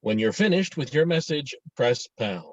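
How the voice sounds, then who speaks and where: Man as a husky answering machine greeting, muffled. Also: mid-range voice, sing-song, moderate pace, a little mellow, no echo. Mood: formal. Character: recorded answering machine greeting of a family home. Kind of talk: phone greeting in a script read-through.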